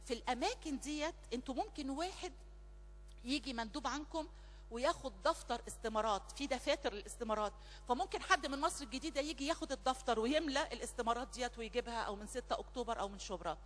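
In a large church hall, a woman with an Egyptian Arabic accent leads a prayer meeting, giving announcements and spoken prayer while emphatically and fervently repeating her phrases. Her high voice is animated, quick and fairly bright. Long church reverb, faint music and slight background noise fill the recording.

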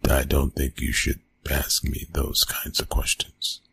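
A man playing a flustered, awkward young college bully in a one-sided ASMR roleplay, stammering and evasive, with a husky, gravelly voice. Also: rumbling low, little pitch movement, measured pace, sharp tone, a little hiss or hum, full character voice. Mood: sheepish, apologetic. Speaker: roleplay audio performer.

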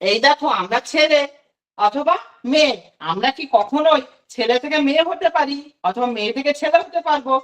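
A woman with a high voice gives a demo lesson to children. She asks the class a question and then answers it herself. She sits a little back from the mic. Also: a little fast, distant mic, rough recording. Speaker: teacher giving a demo class.

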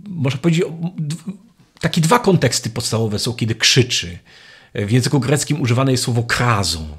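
A man's voice: mid-range voice, animated, normal speed, slightly rough, soft background music. A man giving a spoken catechesis, reflective and searching for words, often restarting his phrases. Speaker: lecturer on faith.

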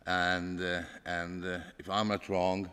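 Deep-voiced, halting Hungarian man in echoey hall. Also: monotone, bright, forceful tone, clear, resonant tone. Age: 50s. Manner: halting, hesitant with many pauses. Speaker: panel speaker answering questions. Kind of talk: formal question-and-answer speech. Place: large parliament chamber. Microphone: gooseneck desk microphone. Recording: echoey large hall, long reverb.

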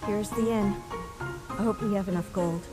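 A woman voicing a quiet, guarded young human girl with terse replies in a comic dub. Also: medium pitch, steady tone, moderate pace, music in the background, close to an everyday voice.

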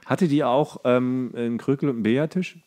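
A man's voice: mid-range voice, brisk, mellow. A man co-hosting a podcast in casual comedic chat, tipsy and tired, rambling and jokey as he goes. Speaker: podcast co-host.

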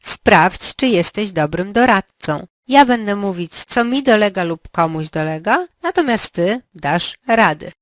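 A woman running a language lesson, giving slow, carefully articulated prompts for the learner to answer. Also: mid-range voice, lively intonation, dry recording, studio quality. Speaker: language teacher.

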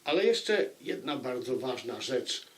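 Male book-review host, medium pitch, very unhurried delivery with dramatic pauses and emphatic repetition. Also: very animated. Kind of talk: informal spoken book review to viewers.

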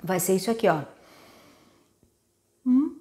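A woman's voice: mid-range voice, lively intonation, slow, darkish tone. A Brazilian woman singing teacher giving a patient, step-by-step lesson on breathing, often checking in with her students. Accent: Brazilian Portuguese. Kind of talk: vocal lesson with demonstrations.

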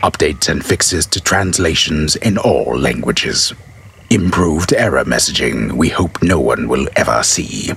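A man with a gravelly, husky voice gives a solemn, theatrical dramatic reading of scripted notes in a stagey, drawn-out manner. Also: rumbling low, expressive, a bit bright.

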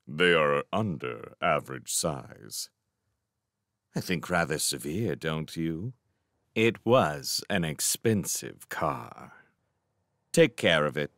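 A man voicing a menacing, pompous, vindictive gentleman magician in an audiobook, with soft speech that can swell into indignation. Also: lowish voice, big pitch swings, measured pace, dry recording, clean studio sound, pitched above the performer's own voice. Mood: calm menace. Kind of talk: dramatic audiobook character reading.

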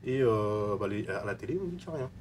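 A man talking on a radio panel, quick and emphatic, repeating words as he goes. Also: fairly low pitch, expressive, a little hiss or hum. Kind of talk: casual studio discussion. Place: radio studio. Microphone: studio microphone, wearing headphones.

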